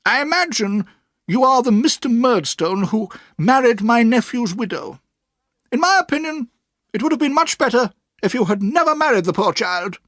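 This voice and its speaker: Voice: medium pitch, lively intonation, normal speed, no room sound, clean studio sound, voice pushed up, natural voice. A narrator voicing a stern, cross elderly aunt who is kind underneath, speaking sharply and bossily. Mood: firm, sharp. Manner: sharp and bossy, shouting when angry. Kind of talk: storybook reading.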